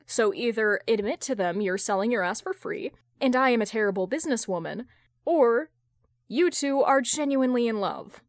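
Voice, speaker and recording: A woman voicing a sharp, judgmental businesswoman with a blunt, sarcastic, deadpan delivery in an audio fan-fiction drama. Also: a little high, moderate pace, no room sound, studio quality. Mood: exasperated, stern.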